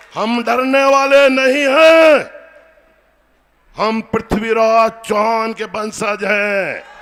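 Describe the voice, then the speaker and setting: The man's pitch is extremely high, with ordinary variation. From Chanderi, Madhya Pradesh, India. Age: 60s. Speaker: politician. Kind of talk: political rally speech. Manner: loud; animated.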